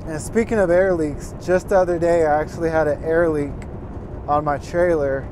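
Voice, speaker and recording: A man's voice: on the high side, fairly even intonation, normal speed. A young man driving a truck, earnestly giving casual advice to viewers and calling them guys. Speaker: truck driver giving tips. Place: inside a semi-truck cab while driving. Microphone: fixed dash camera. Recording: road noise in a moving truck cab. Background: road and engine noise.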